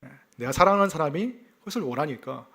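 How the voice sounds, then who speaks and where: A man preaching a sermon in a fairly high voice that rises and falls with lively intonation. He explains a scripture passage and asks his listeners rhetorical questions. He is a pastor from South Gyeongsang who weaves in personal stories. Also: fast talker, creaky, breathy edge. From South Gyeongsang, South Korea.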